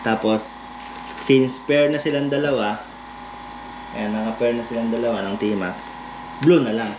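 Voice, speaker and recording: Speaking a little slowly in a medium pitch, a Filipino man hosts a vlog where he casually demonstrates and gives away a product. His tone is jokey and friendly, and he addresses the listener as "brother." Vehicle sounds fill the noisy, lo-fi recording.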